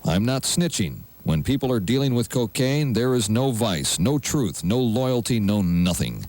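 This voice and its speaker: A man's voice: mid-range voice, big pitch swings, a little slow, darkish tone, no room sound. A man working as a morning radio co-host and newsreader. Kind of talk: news reading and banter.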